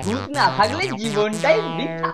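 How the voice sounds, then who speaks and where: Woman playing a high-voiced, bossy cartoon schoolboy. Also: lively intonation, moderate pace, close to an everyday voice. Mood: smug, bossy. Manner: wheedling, ordering others about. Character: sly, bossy, scheming teenage schoolboy. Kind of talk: Bengali children's cartoon voice acting. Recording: loud music behind the voice.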